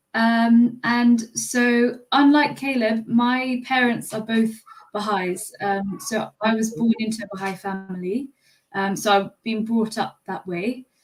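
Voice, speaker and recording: A woman speaks with a fairly high pitch and ordinary pitch variation. Her voice is somewhat breathy, and her pace is fairly slow. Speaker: dental student. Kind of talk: casual interview chat.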